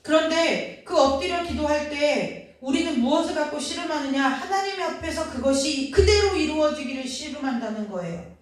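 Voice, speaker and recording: High-voiced woman preaching in an echoey church. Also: animated, normal speed. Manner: earnest, asks the congregation questions. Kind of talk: sermon. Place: church sanctuary. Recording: very echoey, from far off.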